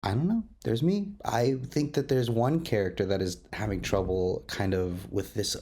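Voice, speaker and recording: A man's voice: lowish voice, moderate pace, mellow, breathy edge. A man hosting a roundtable discussion, talking enthusiastically and often repeating or rephrasing mid-sentence. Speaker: podcast host and interviewer.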